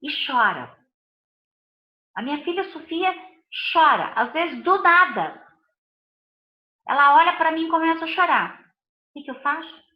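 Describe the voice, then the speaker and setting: A woman's voice: sits high, lively intonation, measured pace, long pauses, roomy sound, muffled recording. A woman with a Brazilian Portuguese accent, a body and behavior analyst giving a live talk to viewers, speaking emphatically in repeated lists of phrases.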